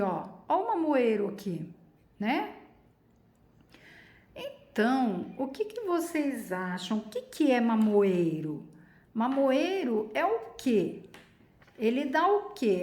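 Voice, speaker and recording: A woman's voice: a little high, sing-song, takes it slowly, a little mellow, echoey room. A Brazilian woman teaching a primary school lesson, patiently asking questions and stretching key words. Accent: Brazilian Portuguese. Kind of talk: recorded lesson for children.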